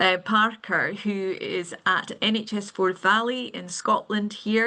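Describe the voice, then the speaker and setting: A woman's bright, sharp tone with fairly even intonation over a quiet background. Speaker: nursing professor and programme director. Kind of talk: webinar hosting.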